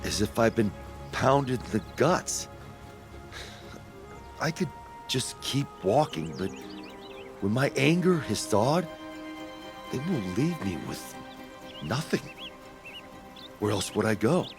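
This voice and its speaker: An actor playing a brash, battered tribal warrior in a video game, proud and rueful with a theatrical delivery. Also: male voice, medium pitch, lively intonation, slow pace, long pauses. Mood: dejected. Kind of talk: dramatic video game acting. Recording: loud music under the voice.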